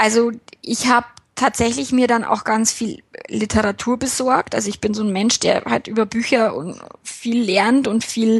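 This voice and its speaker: In a normal speaking voice, a woman talks at a fairly slow pace with fairly even intonation and a fairly high pitch. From Bavaria, Germany. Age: 40s. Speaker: love coach and speaker. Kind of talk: interview.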